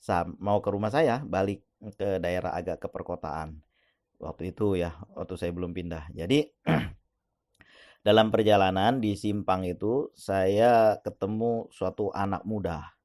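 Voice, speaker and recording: A man telling a story in a relaxed, conversational way, with pauses and throat-clearing. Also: low voice, no room sound, clean studio sound. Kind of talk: casual spoken storytelling.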